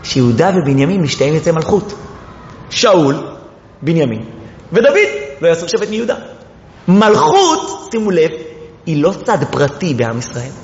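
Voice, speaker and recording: A man with a high voice teaches an impassioned Torah lesson, shifting from quiet explanation to pleading cries. The sound is dull and lo-fi, with a long echo off the walls of a hall and a faint rumble underneath. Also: lively intonation. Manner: swings from quiet explaining to rising, pleading exclamations; apologizes for being disorganized, restarts often.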